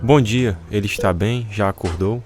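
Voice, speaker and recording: An actor in a radio drama playing a supportive, straight-talking baseball coach. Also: male voice, fairly low pitch, moderate pace, over music, close to an everyday voice. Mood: concerned.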